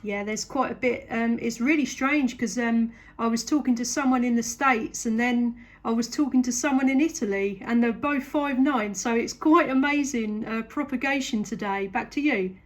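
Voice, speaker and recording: High-voiced southern English woman on radio. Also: normal speed, hardly any pauses. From England. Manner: polite, effusively thankful. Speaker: amateur CB radio operator. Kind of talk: casual radio contact chat.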